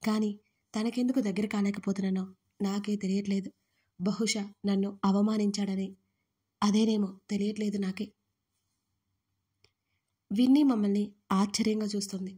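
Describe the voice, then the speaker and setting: A woman telling an audio story in first person, soft, reflective and emotional. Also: medium pitch, steady tone, normal speed, pauses often, slightly rough. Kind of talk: scripted first-person narration.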